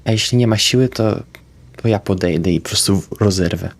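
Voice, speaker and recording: A man, a player in a tabletop roleplaying game, haltingly narrating his own moves. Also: lowish voice.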